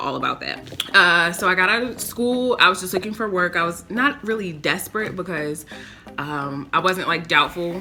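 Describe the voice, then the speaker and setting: Animated in tone, a woman with a fairly low pitch speaks over noticeable background noise. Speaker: beauty vlogger. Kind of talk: storytime monologue. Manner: fast.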